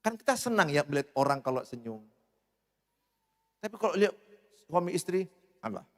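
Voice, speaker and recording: A male pastor delivers a sermon in a humorous, animated way. His voice sits high and swings widely in pitch. The sound carries the long reverb of a church hall. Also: a little fast.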